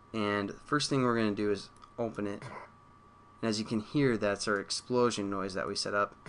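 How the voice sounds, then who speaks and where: A man talks at a fairly quick pace. His voice is fairly low, with fairly even intonation. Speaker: programming tutorial instructor. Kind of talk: screencast coding tutorial. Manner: fast; casual, hesitant with fillers.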